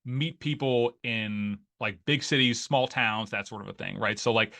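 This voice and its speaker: A man's voice: on the low side, moderate pace, gravelly, bright, forceful tone. A man in his forties from Northeast Ohio with an Ohio accent, talking as a guest in a casual interview and rambling with many fillers and restarts. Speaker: guest, newsletter writer.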